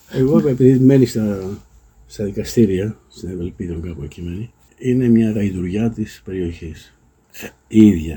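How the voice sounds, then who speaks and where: A man speaks at a fairly slow pace with long, frequent pauses. His fairly low voice is dark, mellow and somewhat breathy, with ordinary pitch variation. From Greece, Piraeus. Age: 70s. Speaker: poet and publisher. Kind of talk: interview.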